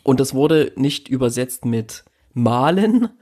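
A man's voice: medium pitch, sing-song, takes it slowly, mellow, breathy edge. A man hosting a casual podcast, talking in his native German in a reflective, rambling way with restarts and fillers. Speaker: podcast host.

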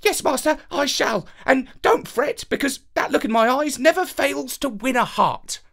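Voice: sits high, animated, moderate pace, gravelly, a bit bright, pitched above the performer's own voice, exaggerated voice. A narrator voicing an eager, loyal little talking dog in a fairytale, with a reassuring manner.

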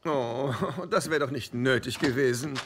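A man's voice: medium pitch, fairly even intonation, normal speed, lightly acted. An actor in a dubbed sitcom playing a hapless middle-aged man, anxious and stammering as he pleads. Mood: sheepish, nervous. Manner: flustered, stammering, repeats himself. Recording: noisy sound with clicks.

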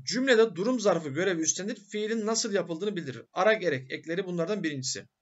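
A man's voice: sits high, animated, fast talker, highs cut off. A male teacher giving a grammar lecture who asks questions and answers them himself.

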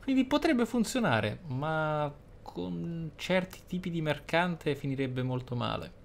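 A man's voice: fairly high pitch, animated, a little slow, gravelly, a little hiss or hum. A man giving reflective, emphatic let's play commentary as a gaming host.

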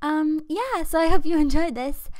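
A woman's voice: high voice, normal speed, darkish tone, dry recording. A young adult woman chatting casually to camera. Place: small dim room at home, indoors. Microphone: microphone close in front of her.

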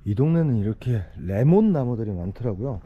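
A man's voice: mid-range voice, big pitch swings, narrow, tinny audio, slight background noise. A young man from Korea with a Korean accent, chatting in broken English on his travel vlog. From South Korea. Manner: broken English, laughs at himself, quick chatty asides. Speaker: travel vlogger. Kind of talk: casual chat. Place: outdoor seaside café terrace at night. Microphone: action camera, no separate mic. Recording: loud music over the talk.

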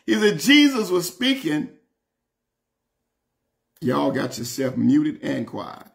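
A man's voice: a little high, big pitch swings, takes it slowly, creaky. A man in his sixties with a Southern US accent, teaching Bible study in an emphatic, folksy way, repeating phrases and calling on listeners. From Southern United States. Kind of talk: informal Bible study sermon, reading and explaining scripture. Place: indoor room at home, seated before French doors.

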